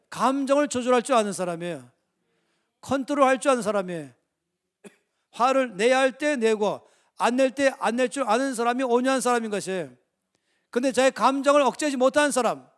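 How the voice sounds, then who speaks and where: A middle-aged man preaching with a notably high voice. He tells stories dramatically, swinging from loud bursts down to quiet, hushed asides. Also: smooth. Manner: dramatic storytelling with big swings between loud and soft. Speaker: pastor. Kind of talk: sermon.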